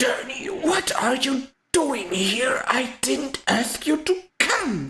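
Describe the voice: A put-on character voice, pitched high, drawls out the words at a very slow pace.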